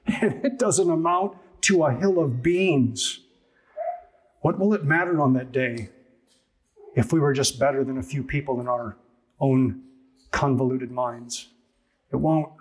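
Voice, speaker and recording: Pastor, male, mid-pitched husky voice, earnest emphatic sermon delivery with pointed questions.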